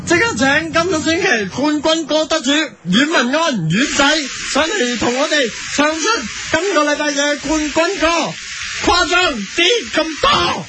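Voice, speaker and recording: A man's voice: very high-pitched, measured pace, noisy background. A man with a Hong Kong Cantonese accent hosting a comedic radio sketch, playful and hyped as he counts down a music chart. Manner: playful, switching between host voices, hyped chart-countdown delivery.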